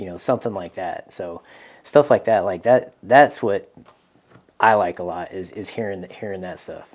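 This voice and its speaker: Soft-spoken, a man with an American accent and a fairly low pitch talks at a moderate pace with ordinary pitch variation and big swings in loudness. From US South, Arkansas. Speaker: gunsmith and company founder. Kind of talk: interview. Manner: halting.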